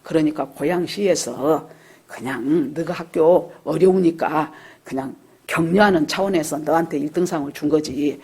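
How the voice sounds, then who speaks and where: Husky-voiced woman pastor preaching. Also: sits low, normal speed, warm tone. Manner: storytelling, acting out quoted dialogue. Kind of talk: sermon. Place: church service.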